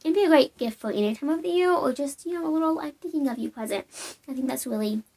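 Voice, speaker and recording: A woman's voice: sits high, quick pace, darkish tone. A young woman from Alabama, sniffly from a cold, chatting upbeat about her knitting with lots of ums and likes. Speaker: knitting podcast host. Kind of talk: casual show-and-tell vlog.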